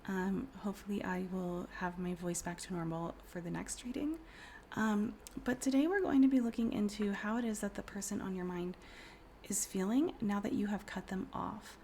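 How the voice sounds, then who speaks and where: Hoarse woman in her 30s, gravelly, mellow-toned, soft whispery delivery, casual tarot reader, faint background hiss. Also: medium pitch, normal speed. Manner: soft, often whispery, rambling with fillers. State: hoarse from a cold. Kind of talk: casual pick-a-card tarot reading.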